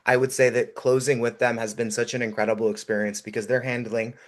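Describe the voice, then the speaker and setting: A man whose first language is Russian, giving energetic, encouraging advice on a call-in show with many "um"s. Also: mid-range voice, fast. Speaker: guest investor.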